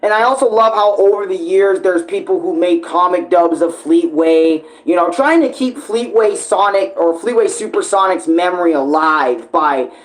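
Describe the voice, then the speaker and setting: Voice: mid-range voice, moderate pace, hardly any pauses. American streamer rambling casually, emphatic and slangy. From United States (Phoenix). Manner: emphatic, conversational, peppered with slang and swearing. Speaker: streamer and video creator. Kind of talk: casual rambling fan commentary.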